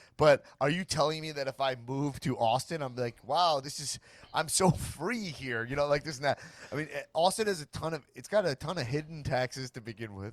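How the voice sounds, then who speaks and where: In a New York accent, a man speaks at a fairly quick pace with a fairly high pitch, ordinary pitch variation and an animated tone, the sound dry and close with no echo on a very clean recording with a silent background. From New York, Long Island. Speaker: comedian. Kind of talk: casual chat.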